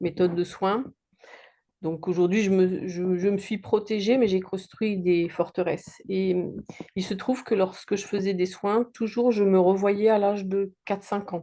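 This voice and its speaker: This woman speaks with a dark, mellow tone at medium pitch, at a fairly slow pace and with fairly even intonation. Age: 60s. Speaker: nurse seeking hypnosis session. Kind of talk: personal testimony in therapy intake. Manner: halting.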